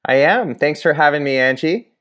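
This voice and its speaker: A man from New England, a guest on a podcast, talking in a measured, easygoing way with many "you knows". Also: a little high, animated, fairly bright tone. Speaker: environmental director, guest. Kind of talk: casual podcast interview.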